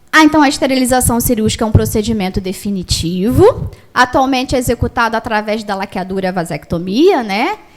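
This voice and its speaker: A woman with a fairly high pitch talks while music sounds in the background. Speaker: nurse and women's health coordinator. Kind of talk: lecture.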